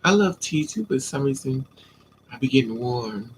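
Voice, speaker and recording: A man's voice: mid-range voice, moderate pace, a little hiss or hum, low-quality recording. A man with a stuffy nose from a coming cold, chatting casually on a live stream and answering viewers' comments. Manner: relaxed, chatty, talks back to commenters.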